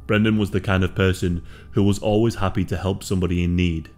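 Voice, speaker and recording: A man reading a scripted true crime story in a steady, solemn manner. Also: deep voice, fast.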